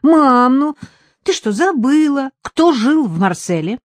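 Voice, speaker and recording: A woman voicing an eager young boy who pleads and gushes with excitement, her voice raised high and loud. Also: slow, no room sound, heavily acted. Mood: excited. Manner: pleading, insistent, gushing.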